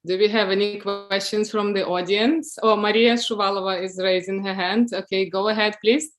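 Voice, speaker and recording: A woman moderating a Q&A, speaking English as a second language after Ukrainian, reading out audience questions with soft laughs. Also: mid-range voice, fairly even intonation, moderate pace, soft background music.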